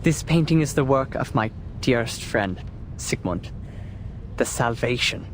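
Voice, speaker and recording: A man voicing a polite, excitable art enthusiast in a video game, courteous and effusive. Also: medium pitch, a little slow, a little hiss or hum, natural voice. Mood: reverent.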